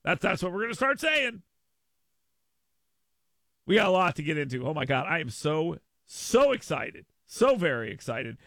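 A brash man hosting talk radio, his voice high and gravelly. He riffs sarcastically and mocks, his tone bright and sharp. The sound is close and dry. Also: sing-song, normal speed, pauses often, no room sound. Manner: brash, sarcastic, riffing and mocking. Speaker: radio talk show host. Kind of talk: talk radio monologue with live read ad.

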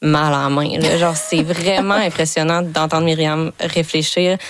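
A woman's voice: low-pitched, steady tone, measured pace, slight background noise. A woman around thirty with a Québécois accent, from Quebec City, talking earnestly and colloquially as a guest about her first film. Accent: Québécois French. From Quebec City, Canada. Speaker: author and first-time filmmaker guest. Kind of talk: casual interview chat.

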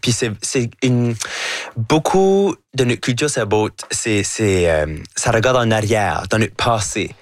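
A man's voice: lowish voice, expressive, unhurried, no room sound. A young man with an Acadian French accent, speaking as a drag artist guest in a studio interview, sprinkling English words and fillers through his talk. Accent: Acadian French (chiac). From Acadia, Canada.

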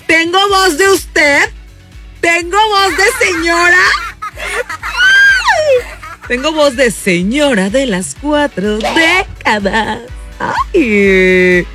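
A woman's voice: sits high, expressive, slow pace, fairly bright tone, faint music behind. Bubbly Mexican woman radio host. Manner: bubbly, laughing, self-mocking. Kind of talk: casual radio chat reading listener messages. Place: radio studio. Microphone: studio microphone.

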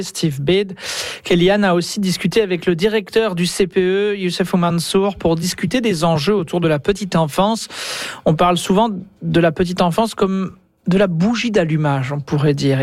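A man's voice: fairly high pitch, dry recording. Dry-voiced male news anchor. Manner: fluent with occasional stammered repeats. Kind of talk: news segment introduction.

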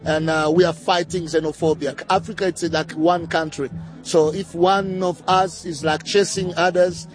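A man's voice: fairly high pitch, flat delivery, moderate pace, faint music behind. A man from DR Congo, a football fan at a festival, speaking earnestly.

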